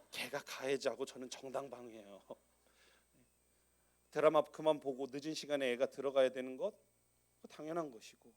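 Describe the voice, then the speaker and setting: A pastor in his thirties preaching a sermon in a lively, conversational storytelling manner. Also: medium pitch.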